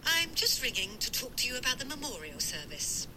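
Brisk older mum, sharp bright voice, up and down. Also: female voice, high voice, very animated, a little hiss or hum, exaggerated voice, rough recording. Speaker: mother.

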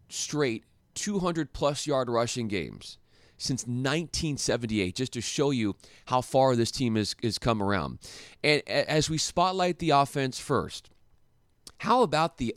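A young man hosting a solo sports podcast, talking in an animated, excitable way with frequent restarts and rhetorical questions. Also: medium pitch, no room sound, studio quality. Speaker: podcast host.

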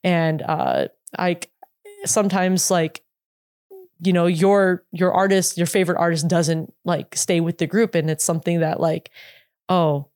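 A woman in her late twenties speaks casually in a slightly low voice, recorded close and dry. She wanders through her answers with many fillers and restarts. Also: fairly even intonation, a little mellow, dry recording. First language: English. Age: 20s. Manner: halting, full of "like" and restarts. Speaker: interview guest, former K-pop idol. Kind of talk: casual interview talk.

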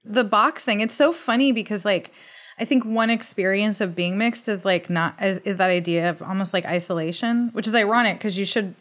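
A woman's voice: mid-range voice, fairly quick, a bit bright. Chatty woman from San Diego. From San Diego, California. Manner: chatty, hedging with "like". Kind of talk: casual interview conversation.

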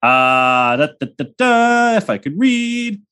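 A man's voice: high voice, big pitch swings, slow pace, bright, forceful tone, clean tone. A young man hosting a sports podcast in casual chat, rambling and joking with crude humor. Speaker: podcast host.

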